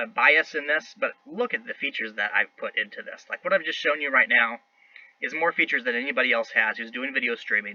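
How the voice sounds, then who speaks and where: A man speaks at a very fast pace. His pitch varies an ordinary amount. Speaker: tech company president. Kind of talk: software demo and rant.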